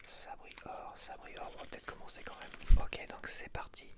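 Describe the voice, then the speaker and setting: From a home setup lit by softboxes, a man makes an ASMR video in which he never rises above a gentle, unvoiced whisper, chatting and counting aloud slowly as he works through his stickers.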